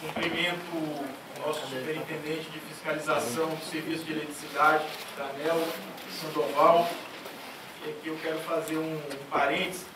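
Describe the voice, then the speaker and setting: A man's voice: a little high, level tone, normal speed. A man, an agency director, giving a ceremonious formal speech at a conference panel into a handheld mic. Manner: ceremonious, greeting officials one by one. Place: large conference auditorium. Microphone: handheld mic, seated at a panel table. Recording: echoey hall from far off, clear noise.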